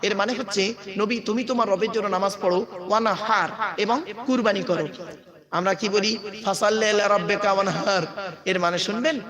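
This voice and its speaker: A man's voice: sits high, normal speed. A man preaching at a religious gathering, emphatic, quizzing the crowd and calling out to his listeners. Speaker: Islamic preacher and school teacher. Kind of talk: Bengali waz sermon to a crowd. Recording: crowd noise behind.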